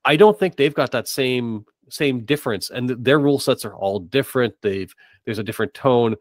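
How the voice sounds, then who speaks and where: A man's voice: mid-range voice, normal speed, dry recording, clean studio sound. A man hosting a podcast in casual interview chat, hedging and rephrasing his thoughts as he goes. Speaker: podcast host.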